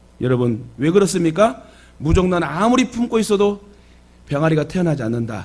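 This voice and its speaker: A man is talking. The pitch of his voice moves across a very wide range. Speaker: pastor. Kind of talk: sermon. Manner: animated.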